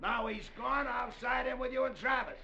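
A jittery, frightened crewman from an old radio play, his voice very high and sharp. He bargains nervously and pleads for his life. The recording is dull and lo-fi with a faint hiss. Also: fairly even intonation, moderate pace, vocal fry, full character voice. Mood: wheedling. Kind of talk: 1940s radio drama acting.

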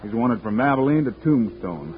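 An actor playing a calm, measured male frontier lawman in an old radio western. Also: medium pitch, close to an everyday voice. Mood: steady. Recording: tinny old radio transcription, faint hiss.

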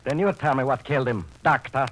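A man's voice: mid-range voice, fast talker, a bit bright, natural voice, rough recording. A man playing a superstitious, agitated gangster with urgent, melodramatic 1940s radio acting on a vintage recording. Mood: insistent. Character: agitated, superstitious male gangster, fearful and insistent.

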